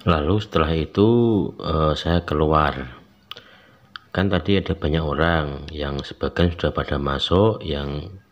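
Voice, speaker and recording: A man tells a true ghost story casually in the first person and acts out the quoted voices. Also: extremely low pitch. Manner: chatty, acts out quoted voices with rising excitement. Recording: slightly dull lo-fi sound, faint background noise.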